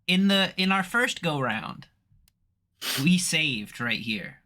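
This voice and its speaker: A man's voice: on the high side, big pitch swings, takes it slowly, pushed and bright. A man co-hosting and playing a video game, giving casual, sweary commentary. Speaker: gaming co-host playing the game.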